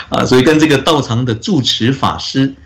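A man who is a Buddhist monk, giving a dharma talk as a story. He acts out the characters' lines and keeps adding soft chuckles and drawn-out particles. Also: medium pitch.

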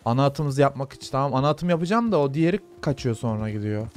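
A young man casually commenting on his gameplay, chatting to his viewers and softly calming a horse in the game. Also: mid-range voice, fast talker. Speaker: gaming YouTuber. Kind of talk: casual let's-play commentary.

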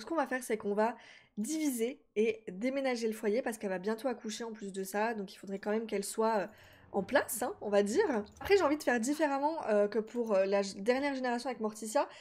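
A woman, chatting casually as she plays a life-sim game, talking to her characters and her viewers and quick to exclaim at what she sees. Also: on the high side, darkish tone. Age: 20s. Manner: quick exclamations of delight and confusion. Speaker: gaming YouTuber. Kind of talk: casual Let's Play commentary.

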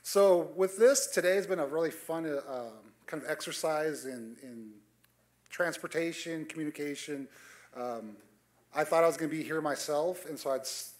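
A man moderating a conference panel as a tribal council secretary, speaking in a monotone with dry humor and many fillers. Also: a little high, normal speed. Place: conference hall stage.

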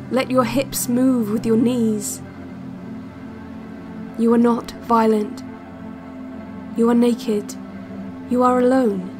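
A woman playing a calm, controlling narrator of an institute's relaxation cassette, measured and hypnotic in an audio drama. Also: a little high. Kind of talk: scripted guided-meditation narration, audio drama.

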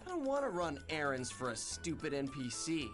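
A man's voice: a little high, very animated, normal speed, over music. A man playing a surly, impatient young hero in a video game dub, irritated and dismissive.

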